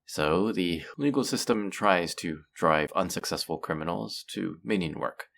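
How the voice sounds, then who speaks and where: A man playing a suave, pleasant supervillain in a scripted audio roleplay, speaking in a polished, measured, theatrical and amiable way. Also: low-pitched, lively intonation, gravelly, a bit bright, full character voice. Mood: reassuring, amiable. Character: suave, pleasant male supervillain interviewing a minion recruit. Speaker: voice actor. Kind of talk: scripted roleplay audio drama, conversational monologue.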